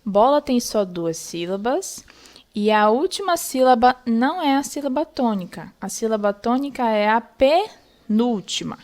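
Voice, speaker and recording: A young woman with a fairly high voice teaches an online lesson. She explains slowly and patiently, step by step, and checks in often to make sure her students follow. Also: animated, a little mellow.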